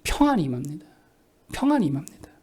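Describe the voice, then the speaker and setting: A middle-aged man preaches a sermon. His voice sits high, and his pitch rises and falls widely as he asks the congregation questions and answers them himself. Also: sing-song, quick pace, darkish tone, breathy edge. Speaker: pastor.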